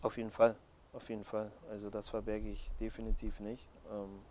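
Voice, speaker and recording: A footballer in his twenties from Hamburg, Germany, casually answers interview questions on an open-air terrace beside a training pitch. His fairly low voice is completely flat, fairly quick and darkish in tone. A lapel mic captures him outdoors, with background noise clearly audible.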